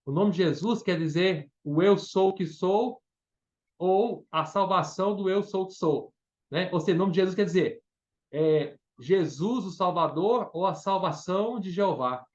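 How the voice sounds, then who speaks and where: A man's voice: sits high, unhurried, lo-fi sound. A man with a Brazilian Portuguese accent preaching a Bible study sermon, explaining step by step and often asking "né?". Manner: explanatory, repeats words and asks "né?".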